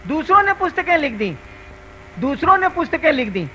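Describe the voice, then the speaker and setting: Bright-voiced older man giving a spiritual talk. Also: extremely high pitch, very animated, a little fast, slight background noise, rough recording. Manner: conversational storytelling, earnest and emphatic. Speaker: spiritual teacher. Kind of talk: spiritual discourse.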